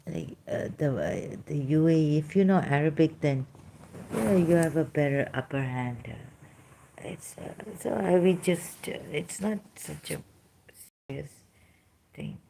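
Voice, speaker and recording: A speaker with a Pakistani English accent giving an unscripted personal testimony, hesitant and halting, with frequent fillers and restarts. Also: medium pitch, animated, vocal fry, warm tone, slight background noise. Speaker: vlogger sharing personal experience.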